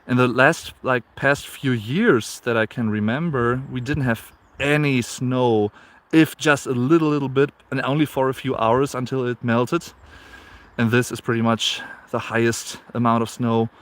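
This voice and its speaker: A German-accented man in his late twenties live streams while walking outdoors through the snow, chatting casually and reading viewer comments aloud. He uses lots of fillers and repeats himself, in a mid-range voice with fairly even intonation at a moderate pace.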